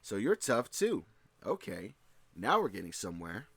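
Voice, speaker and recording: A man voicing an eager, easygoing young male fighter in a story reading, speaking upbeat and a little higher than his narration. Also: lively intonation, fairly quick, vocal fry, a bit bright. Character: cheerful, eager young male martial-arts hero.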